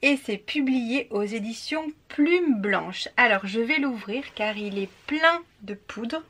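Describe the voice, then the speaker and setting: A woman's voice: fairly high pitch, animated, slow, a bit bright. A young woman chatting cheerfully as she unboxes a monthly book box. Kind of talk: casual unboxing chat.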